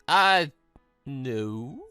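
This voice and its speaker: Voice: mid-range voice, lively intonation, drawn-out words, bright, forceful tone, clear, resonant tone, no echo, clean studio sound, soft background music, heavily acted. A narrator voicing a bewildered, anxious young man in a visual novel, hesitant and dramatic. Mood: wary, polite.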